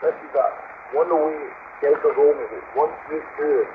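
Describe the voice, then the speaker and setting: A man's voice: a little high, steady tone, normal speed. A Scottish man chatting courteously as a CB radio operator, repeating his phrases and call signs over a single-sideband transmission. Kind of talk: CB radio contact chat. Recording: tinny, noisy CB radio reception. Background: radio static.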